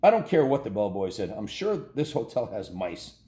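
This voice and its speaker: A man's voice: fairly low pitch, big pitch swings, moderate pace, dark tone, reverberant, slight background noise. A man reading the part of a weary, fussy mother in a children's story, complaining yet polite. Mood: practical, suspicious.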